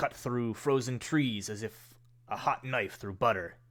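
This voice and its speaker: Using a put-on character voice, a man speaks at a medium pitch. His delivery is moderately paced. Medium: actual play. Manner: folksy, wry, chuckling.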